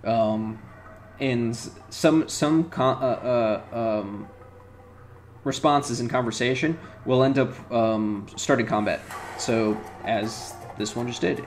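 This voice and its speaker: Thirties guy, casual let's-play host, rambly and unhurried, mid voice. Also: mid-range voice. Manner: rambling, thinking aloud with fillers. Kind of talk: casual game commentary. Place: home room.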